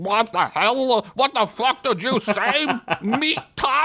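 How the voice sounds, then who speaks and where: A man puts on a character voice, speaking at a very slow pace in an extremely high pitch. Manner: annoyed, pissed off.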